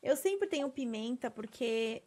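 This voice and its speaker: A woman's voice: fairly high pitch, animated, unhurried, warm tone, a little hiss or hum. A woman with a Brazilian Portuguese accent, chatting to herself while playing a farming game. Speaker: streamer. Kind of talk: gameplay commentary.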